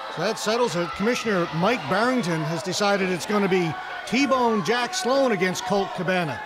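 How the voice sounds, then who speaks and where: A man at a high pitch and a fairly quick pace, ordinary pitch variation, loud background noise behind him. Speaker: wrestling play-by-play commentator. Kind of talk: live wrestling commentary. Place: hall.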